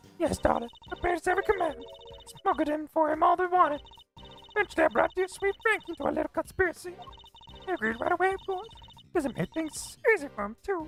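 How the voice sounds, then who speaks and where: In a put-on character voice pitched extremely high, the speaker rattles along at a very fast pace with long, frequent pauses. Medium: game stream. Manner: gushing terms of endearment.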